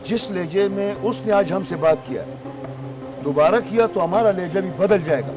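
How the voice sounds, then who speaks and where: A man's voice: high voice, normal speed, natural voice. An actor playing a proud, offended male chief who speaks bluntly. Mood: indignant. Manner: indignant, blunt. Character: proud touchy tribal chief. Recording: music under dialogue.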